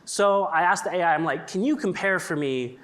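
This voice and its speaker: A man's voice: a little high, brisk, fairly bright tone. A man speaking on a conference panel in a casual, chatty way, full of "like" and "um", whose first language is English. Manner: chatty, lots of likes and ums. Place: conference stage.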